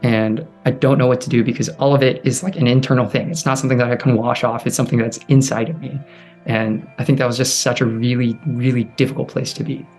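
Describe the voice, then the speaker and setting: Soft-spoken man telling a hard story. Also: mid-range voice, flat delivery, faint music behind. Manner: halting, heavy use of "like", restarts; soft, drops quieter when recalling inner thoughts. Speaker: storyteller guest. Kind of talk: personal storytelling interview.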